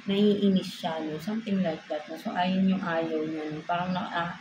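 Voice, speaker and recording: A woman's voice: lowish voice, steady tone, moderate pace, muffled recording. A woman with a Filipino accent giving a casual tarot reading, code-switching and ending most phrases with a questioning "no?". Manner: code-switching, frequent tag "no?". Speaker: tarot reader. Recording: echoey room with noise.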